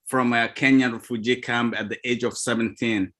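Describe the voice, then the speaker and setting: A man from Ethiopia speaking on a video call, giving an earnest, halting personal testimony with frequent restarts. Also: mid-range voice, fairly even intonation, fairly bright tone. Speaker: call participant.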